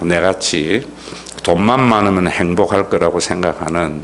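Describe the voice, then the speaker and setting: Talking at a fairly slow pace, a man with a very deep, low pitch is heard with audible room echo and noticeable background noise. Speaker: pastor. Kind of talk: lecture.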